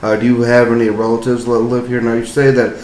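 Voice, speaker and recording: A man's voice: medium pitch, monotone, quick pace, darkish tone. A young man hosting his own podcast, talking casually and rambling with lots of fillers and apologies. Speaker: podcast host. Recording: echoey room, faint hiss.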